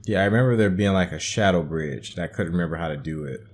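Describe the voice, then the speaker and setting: A man's voice: low-pitched, fast, a little hiss or hum. A man doing casual let's play commentary, musing and thinking aloud as he works through a video game. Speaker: gamer narrating a playthrough.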